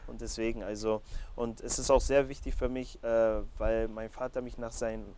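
Bright-voiced young German man, even pitch. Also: normal speed. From Hamburg, Germany. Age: 20s. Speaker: footballer, interview guest. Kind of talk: casual interview answers. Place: open-air terrace by a training pitch. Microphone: lapel mic. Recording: outdoor recording with clear background noise.

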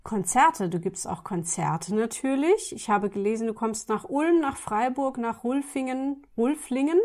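A woman's voice: fairly high pitch, animated, measured pace, darkish tone. A woman hosting a podcast, interviewing in a casual, chatty and informal way. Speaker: podcast host.

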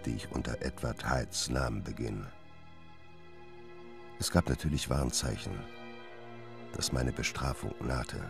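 An actor playing a grave, tormented gentleman doctor, delivering a measured, formal confession as a radio play monologue. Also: extremely low pitch. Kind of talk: dramatic first-person monologue in German radio play.

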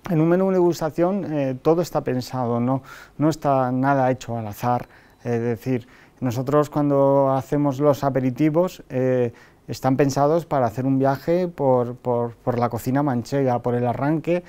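A man's voice: mid-range voice, normal speed, dark tone, clear, resonant tone. A chef in his thirties speaking earnestly in an interview, often repeating words, on a lapel mic. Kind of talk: interview talk.

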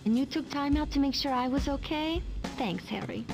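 A woman's voice: high-pitched, lively intonation, normal speed, vocal fry, over music. An actress playing a friendly, concerned young woman in video game dialogue. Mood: warm, wry.

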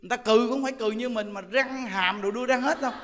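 A monk with a Southern Vietnamese accent preaches in a very high, bright voice, chatty and full of jokes. His talk rings out with a long hall reverb behind him. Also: very fast, slight background noise. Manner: chatty, joking storyteller who laughs often. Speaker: Buddhist monk teaching Dharma. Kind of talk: humorous Dharma talk.

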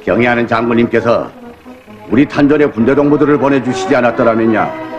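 A man's voice: mid-range voice, quick pace, lo-fi sound, over music, natural voice. A man playing a grateful, effusive North Korean coal mine chief in a film drama.

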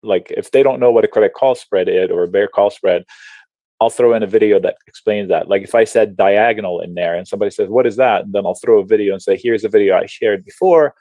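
A man from Lebanon, an options trading educator, explaining charts on a video call in a chatty, animated way with slang and frequent restarts. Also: fairly low pitch, quick pace, no echo, low-quality recording. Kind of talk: casual webinar explanation while sharing charts.

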